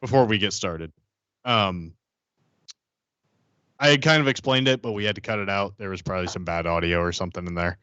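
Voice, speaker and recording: Man, fairly low voice, casual explaining, tabletop podcast, slightly muffled recording. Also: a little fast, pauses often, a bit bright, smooth, no echo. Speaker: tabletop game podcast player. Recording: slightly dull, dry close sound.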